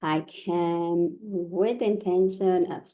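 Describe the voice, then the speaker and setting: Mellow Ecuadorian-accented woman in her forties. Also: on the low side, steady tone, takes it slowly. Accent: Ecuadorian Spanish. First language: Spanish. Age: 40s. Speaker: podcast guest, vocal sound healer. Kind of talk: casual personal interview.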